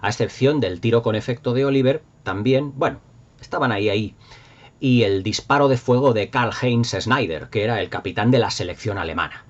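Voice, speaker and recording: Brisk and medium in pitch, this middle-aged man speaks with an accent from Spain. As a YouTube host he talks to viewers casually and nostalgically, rambling with enthusiasm and emphasis; the recording sounds dull and lo-fi.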